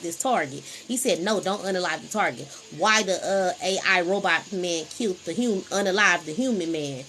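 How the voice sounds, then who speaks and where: A woman's voice: on the high side, slight background noise, rough recording. A woman hosting a casual spiritual livestream, talking in a preachy, repetitive, emphatic way into a phone.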